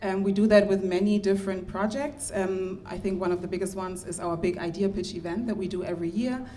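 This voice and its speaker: A woman with a mellow, dark-toned voice speaks on a live podcast panel, polite and measured. Faint noise from the room runs behind her. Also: mid-range voice, steady tone. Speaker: panel guest, marketer.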